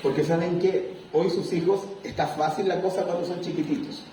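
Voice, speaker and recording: A man preaching a sermon as pastor, lively and animated, acting out little scenes. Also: high-pitched, normal speed, a little hiss or hum. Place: church. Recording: echoey room, mic far off.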